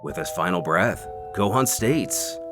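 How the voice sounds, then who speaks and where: A man's voice: deep voice, lively intonation, measured pace. A man narrating an action story in a theatrical, scripted style, with music playing behind him. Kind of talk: dramatic scripted comic narration. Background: dramatic background music.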